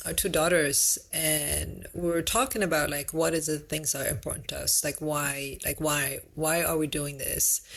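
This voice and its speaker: A woman, a guest speaking casually in a thoughtful way with many pauses and restarts. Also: deep voice, gravelly, fairly bright tone. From East Africa. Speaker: guest, nonprofit founder. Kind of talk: casual interview.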